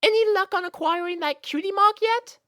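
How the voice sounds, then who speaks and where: A woman's voice: very high voice, fairly quick, sharp tone. A woman voicing a refined, affectionate elder sister pony in a fan fiction audio drama, genteel and coaxing. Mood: fond, coaxing.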